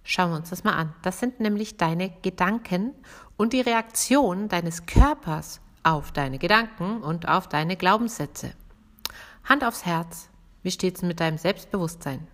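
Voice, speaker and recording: A woman's voice: on the low side, animated, measured pace, fairly bright tone. A woman voice coach hosting a podcast, speaking directly and encouragingly to the listener.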